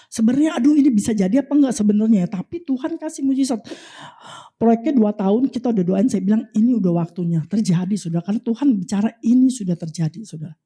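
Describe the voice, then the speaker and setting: Animated woman preaching a sermon. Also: a little high, fast, husky. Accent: Indonesian. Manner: animated, repeatedly addressing the congregation. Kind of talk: sermon with testimony and prophecy.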